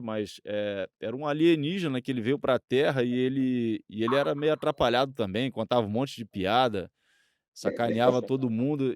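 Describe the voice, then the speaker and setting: A man's voice: mid-range voice, darkish tone, clear, resonant tone, dry recording, studio quality. A man with a Brazilian accent talking casually as an interview guest, explaining things informally and a little hesitantly. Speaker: guest radio researcher.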